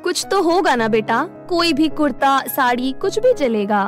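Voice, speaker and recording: A woman voicing a supportive, motherly mother-in-law in an animated cartoon storytelling style. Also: high-pitched, moderate pace, soft background music. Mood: reassuring.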